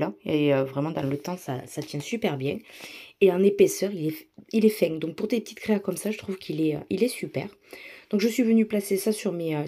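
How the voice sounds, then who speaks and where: Woman, casual voice-over tutorial, mellow tone, enthusiastic, lots of filler words. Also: sits low. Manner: chatty, many fillers and restarts; self-deprecating, enthusiastic about materials. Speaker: craft video host. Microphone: voice-over mic.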